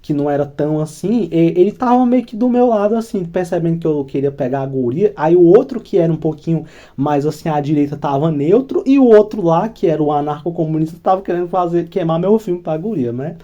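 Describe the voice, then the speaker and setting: A man's voice: a little high, fairly quick, mellow, lo-fi sound. A Brazilian man telling a crude, rambling personal story in casual slang as the host of his channel. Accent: Brazilian Portuguese.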